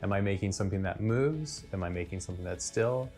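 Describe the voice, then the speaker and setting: A man's voice: low voice, lively intonation, fast, darkish tone. A man talking reflectively about his creative work as an artist, in documentary interview style. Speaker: featured digital artist. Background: guitar music.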